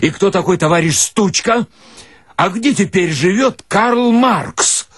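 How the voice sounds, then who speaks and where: Man acting a blustering, needling chairman, husky and animated. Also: sits high, slow, no room sound, studio quality, pitched above the performer's own voice, exaggerated voice. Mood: rapid grilling. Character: brash provincial chairman interrogating a sideshow mummy. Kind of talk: dramatic story reading.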